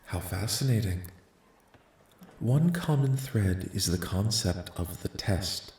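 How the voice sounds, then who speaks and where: A man voicing a curious, polite, detached alien researcher in a soft-spoken ASMR roleplay, questioning in formal, clinical, measured phrases. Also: animated. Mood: calm, curious. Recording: echoing voice with faint rumbling noise.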